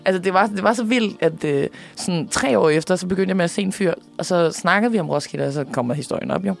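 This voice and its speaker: A young woman from Denmark telling a story excitedly in casual chat, swearing and laughing often. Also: fairly low pitch, gravelly, soft background music. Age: young adult.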